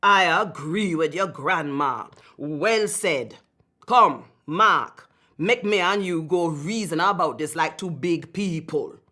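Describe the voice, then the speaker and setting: A woman voicing a cross, indignant male landlord in a storybook, with exasperated, forceful questioning. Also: fairly low pitch, slow pace, full character voice. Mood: conciliatory.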